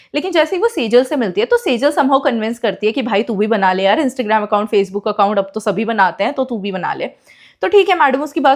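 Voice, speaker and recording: Her pitch swings very widely as a woman talks at a fairly quick pace. The recording is very clean, with a silent background. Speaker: YouTuber storyteller. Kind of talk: storytime narration. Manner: casual, code-switching Hindi-English.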